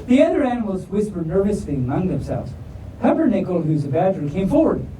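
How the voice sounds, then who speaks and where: Animated woman reading storytime in echoey room. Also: mid-range voice, brisk. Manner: theatrical, jokey, interactive. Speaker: storytime reader. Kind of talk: live picture-book reading with playful asides. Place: live convention room with audience. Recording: echoey room, distant mic, faint noise.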